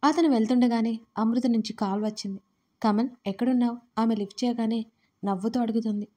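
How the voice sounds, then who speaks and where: A woman's voice: steady tone, fast talker. A woman narrating a romance audio story, reading all the parts herself in a scripted storytelling style. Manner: reads every part herself, louder and higher in the characters' lines.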